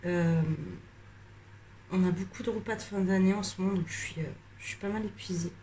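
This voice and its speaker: A tired, slightly congested woman chatting casually while coloring, rambling with many hesitations and pauses. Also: mid-range voice, steady tone, warm tone, a little hiss or hum. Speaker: coloring vlogger.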